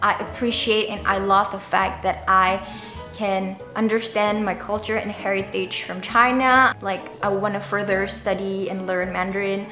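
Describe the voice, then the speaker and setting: A woman's voice: mid-range voice, level tone, moderate pace, bright, forceful tone. A young woman from Indonesia, talking casually and chattily to her viewers as a vlogger. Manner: informal, chatty, with frequent "like" and small giggles. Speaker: YouTube vlogger. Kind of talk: casual talk to camera. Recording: roomy echo, music behind the voice. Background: background music.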